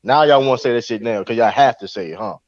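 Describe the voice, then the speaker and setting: A man arguing basketball on a live call-in show, animated and profane, talking over the others. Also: medium pitch, fast talker, no echo, highs cut off. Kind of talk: heated sports debate.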